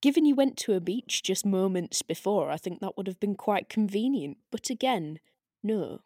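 A woman playing a taunting disembodied spirit in an audio drama table read, with a drawn-out, needling delivery. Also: mid-range voice, animated, dark tone, no echo, studio quality, natural voice. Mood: coolly persuasive. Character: taunting disembodied arcane spirit, silky and provoking.

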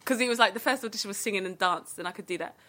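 A woman's voice: medium pitch, very fast, sharp tone. A woman with an Essex accent chatting casually as an interview guest, bubbly, self-deprecating and a little dramatic as she tells anecdotes. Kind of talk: casual chat, telling anecdotes.

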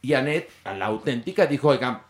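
A man's voice: high voice, expressive, normal speed. Guy co-hosting a podcast, teases his friend, laughs while telling the story. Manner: teasing, laughing retelling. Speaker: podcast co-host. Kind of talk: joking gossip chat.

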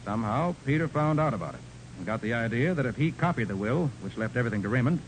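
Through the rumble and hiss of an old radio recording comes a man playing an assured private detective. His medium-pitched voice is brisk and authoritative, delivered in crisp 1940s crime drama style. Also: lively intonation, natural voice, low-quality recording. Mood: explanatory, assured. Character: confident, commanding male private detective.

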